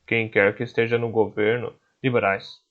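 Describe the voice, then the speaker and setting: A man's voice: on the low side, little pitch movement, normal speed, phone-quality sound, close to an everyday voice. A man voicing a scornful, dry older doctor in an audiobook.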